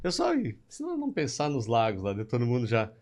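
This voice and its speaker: A man hosting a podcast, telling stories in a relaxed, chuckling way. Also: medium pitch, fast. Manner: relaxed storytelling, chuckles, restarts. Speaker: podcast host. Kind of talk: casual podcast chat. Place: studio table.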